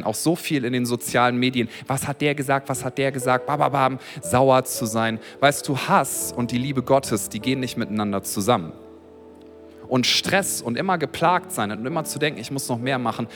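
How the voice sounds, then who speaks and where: A man preaching a sermon as pastor, with a mid-range voice that rises sharply on emphatic phrases and drops low on quieter thoughts. He talks straight to his listeners in a casual, conversational way. Faint music plays softly behind him. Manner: lively preaching with sudden rises in pitch and volume; direct, conversational address to listeners.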